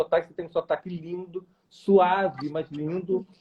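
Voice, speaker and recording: With fairly even intonation, a man talks in a high-pitched voice. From Niterói, Rio de Janeiro. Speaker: talk show host. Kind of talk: interview. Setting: live stream.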